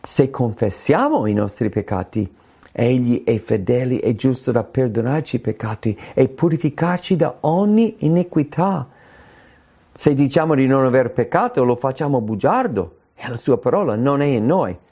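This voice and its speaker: A man preaching a sermon in an earnest, emphatic way, slowing down to stress key phrases. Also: mid-range voice, animated, dark tone, husky. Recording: dull lo-fi sound.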